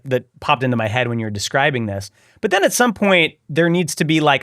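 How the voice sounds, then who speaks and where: A man in his forties hosting a podcast, asking curious questions in a relaxed, animated way from his home studio. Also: mid-range voice, no room sound. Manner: curious, animated, gestures while talking. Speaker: podcast host. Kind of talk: casual interview talk. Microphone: studio mic on a boom arm.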